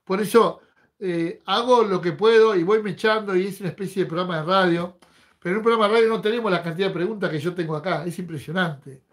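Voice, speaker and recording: A man's voice: sits high, quick pace. A middle-aged man with an Argentine accent, chatting casually on a fishing livestream and reading viewers' comments aloud with jokes. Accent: Rioplatense Argentine Spanish.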